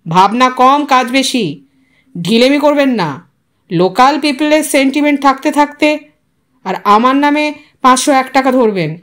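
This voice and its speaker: A woman's voice: high-pitched, lively intonation, measured pace, long pauses, a bit bright. A woman voicing a middle-aged male politician, self-important and unctuous, speaking with authority and dropping in English words. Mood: commanding.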